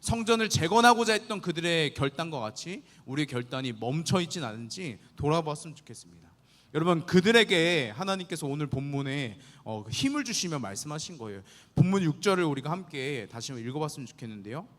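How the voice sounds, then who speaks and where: A young man delivers an earnest sermon to a youth congregation, his voice sitting a little high and swinging widely in pitch. He keeps the tone animated and draws listeners in with rhetorical questions. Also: quick pace, in a large hall. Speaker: youth pastor.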